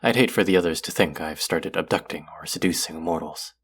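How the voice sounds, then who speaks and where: A man acts out a guarded god of the underworld in an intimate audio roleplay. The voice is very low and gravelly, with formal, wry phrasing that hides a soft, lonely streak. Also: a little fast, full character voice. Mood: reserved, curious. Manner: formal, wry, guarded, addressing the listener directly.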